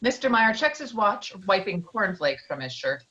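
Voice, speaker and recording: A woman's voice: medium pitch, sing-song, moderate pace, bright, forceful tone, dull audio. A woman reading screenplay stage directions as the narrator of a table read.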